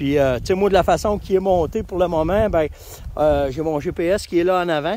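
A high-pitched man's voice, dry with no echo. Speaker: outdoor show host. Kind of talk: casual vlog chat. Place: open country. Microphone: phone near.

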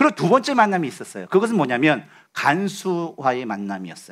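A man at a moderate pace, very wide pitch swings, and a quiet background. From South Korea, Suwon; South Korea. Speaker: pastor. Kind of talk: sermon. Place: church. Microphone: headset.

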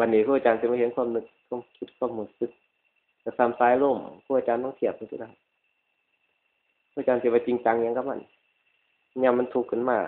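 In a monotone, flat intonation, a man speaks at a medium pitch. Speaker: Buddhist monk. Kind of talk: dharma talk.

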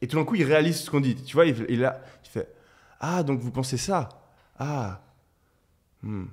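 Over a quiet background, a man speaks at a moderate pace, somewhat breathy, with long, frequent pauses, big swings in loudness and ordinary pitch variation. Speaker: podcast co-host and online entrepreneur; podcast co-host. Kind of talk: casual chat. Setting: in a private villa. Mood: relaxed, amused storytelling. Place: home room. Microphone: studio mic.

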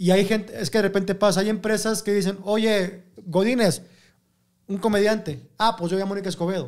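This man has a high voice and talks at a fairly quick pace. The background is quiet. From Mexico. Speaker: comedian. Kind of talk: casual chat. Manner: animated. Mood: relaxed, joking. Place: studio.

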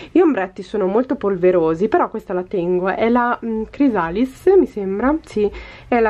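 A woman is speaking. Her pace is moderate. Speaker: beauty vlogger. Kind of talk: casual product review to camera. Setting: home desk by a window. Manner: animated. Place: home room.

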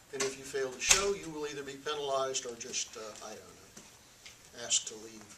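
A man talks over loud background noise. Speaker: college instructor. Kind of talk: lecture. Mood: candid, critical. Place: classroom.

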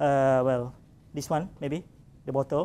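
A man speaks with a Malaysian accent. His pace is fairly quick. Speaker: university lecturer. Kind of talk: lecture. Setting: classroom with students. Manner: animated. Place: classroom.

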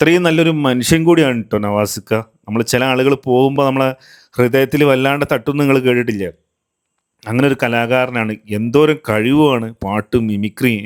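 At medium pitch, a man speaks with ordinary pitch variation and very even loudness, in a dry, close sound with no echo. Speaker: YouTuber. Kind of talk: vlog monologue. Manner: halting.

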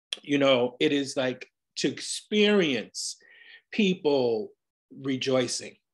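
A man with an American accent talks at a fairly high pitch with ordinary pitch variation. The background is quiet. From New York, Mount Vernon; New York. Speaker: singer and workshop facilitator; workshop facilitator. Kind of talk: interview. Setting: video call. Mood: warm, enthusiastic. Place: home room. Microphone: video call.

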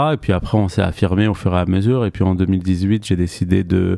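A man talks at a moderate pace with a fairly low pitch, a dark, mellow tone and fairly even intonation. The sound is dry and close with no echo, over a quiet background. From Paris, France. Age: 30s. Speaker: fashion designer. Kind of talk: interview. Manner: casual, many fillers.

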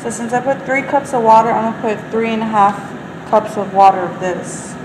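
A woman speaks at a moderate pace with fairly even intonation. Noticeable background noise runs underneath. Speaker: parent vlogger. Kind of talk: casual vlog chat. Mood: relaxed, slightly exasperated. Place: kitchen. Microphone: phone near.

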